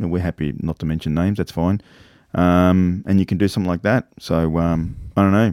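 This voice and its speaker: A man with an Australian accent and a very deep, low pitch, dark mellow tone and fairly even intonation, moderate pace, dry close sound with no echo, on a very clean recording with a silent background. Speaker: podcast co-host. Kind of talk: casual chat.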